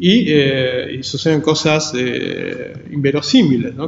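Over noticeable background noise and audible room echo, a man with a Rioplatense accent speaks very slowly at a fairly high pitch. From Buenos Aires, Argentina (La Boca). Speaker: butoh dancer and performance artist. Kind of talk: interview conversation. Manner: halting, many repetitions and fillers.

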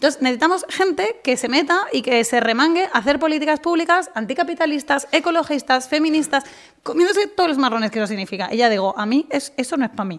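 A woman talks very fast in a high voice. Her intonation is lively. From Madrid, Spain. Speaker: ecologist activist and researcher. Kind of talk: panel debate. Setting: live event with audience.

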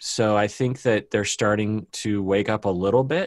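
A man with an American accent talks at a fairly slow pace in a fairly low pitch. His intonation stays fairly even, and the recording is very clean with a silent background. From US Pacific Northwest (Seattle area). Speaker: psychologist and couples therapist. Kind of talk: casual interview.

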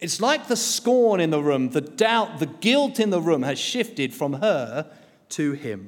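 Talking at a fairly slow pace, a man with fairly high pitch makes very wide pitch swings. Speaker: preacher. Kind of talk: sermon. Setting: church.

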